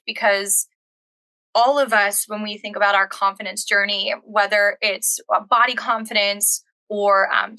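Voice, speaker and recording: A woman's voice: medium pitch, bright, forceful tone, no room sound. A young adult woman from Pennsylvania hosting her podcast alone, talking earnestly and encouragingly straight to the listener. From Pennsylvania, USA. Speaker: podcast host and body confidence coach. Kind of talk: solo podcast monologue.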